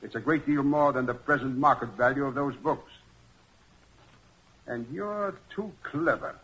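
A muffled old radio recording holds a man performing a smug male villain. The voice is bright and forceful. He gloats deliberately, scheming and coolly threatening. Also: mid-range voice, natural voice. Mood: gloating. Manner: smooth-talking, gloating, deliberate. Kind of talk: 1940s radio crime drama acting. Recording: muffled, dull vintage 1940s radio recording.

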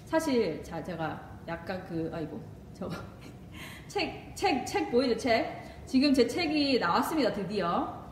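Middle-aged woman with a Gyeongsang accent, lively advice talk, slightly high voice, long reverb, faint rumble. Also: takes it slowly. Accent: Gyeongsang Korean. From Gyeongsang region of Korea. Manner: lively, laughs often, switches into English phrases. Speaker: doctor and parenting channel host. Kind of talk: casual advice talk to viewers. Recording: echoey room, mic at a distance, faint rumble.

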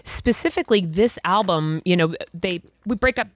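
A woman's voice: lowish voice, animated, normal speed, dry recording. A woman hosting an interview, chatting casually with many fillers and frequent laughs. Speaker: podcast host.

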